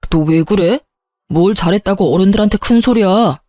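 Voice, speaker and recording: A woman's voice: medium pitch, normal speed, mellow, no room sound, close to an everyday voice. A woman voicing a defensive, scolding husband. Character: defensive young husband, irritated.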